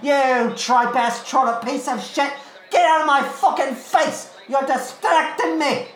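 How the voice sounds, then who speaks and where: A woman voicing a drunk, foul-mouthed, violent cockney racegoer who swings between prim manners and profane shouting in a comedy monologue. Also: high-pitched, sing-song, moderate pace, reverberant, voice pushed up. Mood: furious, threatening.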